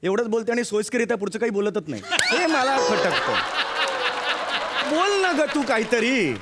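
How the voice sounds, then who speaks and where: A man's voice: very high voice, lively intonation, moderate pace, very noisy. A man playing a shameless, self-important celebrity father who defends himself and pleads for respect in a comedy sketch. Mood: complaining. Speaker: comic actor in a sketch.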